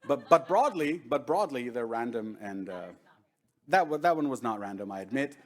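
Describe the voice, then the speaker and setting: A middle-aged man, a native Hebrew speaker, lectures to a seated audience in a large conference room, speaking into a lectern microphone. His delivery is loose and conversational, and he keeps checking in with the listeners as he explains. His pitch sits in an ordinary middle range. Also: animated, moderate pace. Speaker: workshop presenter.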